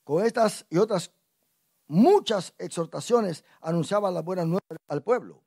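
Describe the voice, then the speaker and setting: A male pastor teaching a Bible class in church, animated and often asking the congregation questions. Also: high voice, unhurried, gravelly, slightly rough, no room sound, studio quality.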